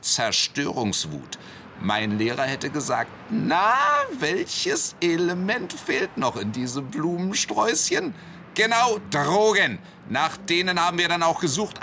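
Heller, selbstgefälliger Polizist. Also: male voice, a little high, bright, forceful tone, a little hiss or hum, exaggerated voice. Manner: officious, self-satisfied. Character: smug, officious male police officer giving his report. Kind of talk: radio play monologue.

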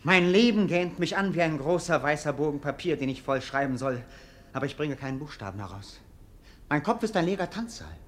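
An actor playing a melancholic, bored young prince in a German radio play, speaking in a declamatory, world-weary, poetic way. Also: male voice, a little high. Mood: restless self-mockery.

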